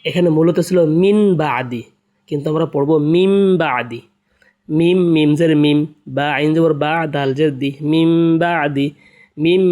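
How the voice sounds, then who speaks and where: Male Quran tutor, slow drilled letter chants, narrow melody. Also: fairly high pitch, a little mellow. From Bangladesh. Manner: slow sing-song spelling chants, then quick spoken explanations. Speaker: Quran teacher. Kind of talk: spelling out Arabic letters and vowel marks for beginners.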